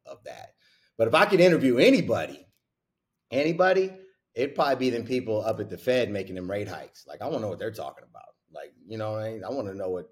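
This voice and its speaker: Middle-aged male coach, fairly low voice, loose slangy bro delivery, conversational and emphatic. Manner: laid-back slangy bro talk, with "dude", "bruh", "man"; animated, repeats phrases for emphasis. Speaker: college basketball coach. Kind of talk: casual podcast interview chat.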